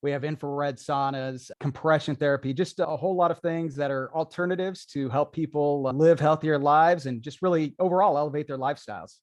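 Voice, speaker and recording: A man being interviewed as a business owner, upbeat and promotional, explaining his services briskly. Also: on the high side, no room sound, studio quality. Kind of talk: interview answers.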